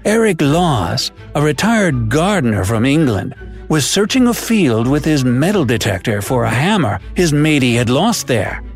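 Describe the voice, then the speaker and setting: A man's voice: mid-range voice, sing-song, measured pace, faint music behind. A man voicing an old male pirate storyteller who tells tales of lost treasure in pirate slang with a theatrical drawl. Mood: jolly. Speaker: narrator. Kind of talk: scripted narration.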